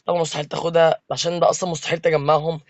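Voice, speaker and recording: A man's voice: on the high side, level tone, very fast, no room sound, highs cut off. A man with an Egyptian accent giving live gameplay commentary, complaining to his viewers in an exasperated, joking way. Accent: Egyptian Arabic. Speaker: gaming video creator.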